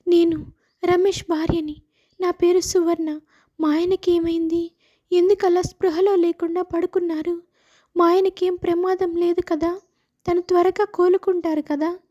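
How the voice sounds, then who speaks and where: A woman's voice: extremely high pitch, level tone, moderate pace, long pauses, mellow, highs cut off. A woman voicing a worried young wife and daughter-in-law, pleading and tearful. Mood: distressed.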